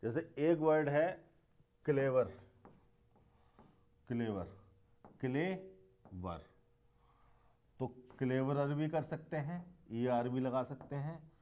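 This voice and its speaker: A man with a mellow, rather dark voice teaches a grammar class. He explains step by step, repeating key words and asking the class rhetorical questions as he goes. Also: medium pitch, slow pace, long pauses. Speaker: English teacher.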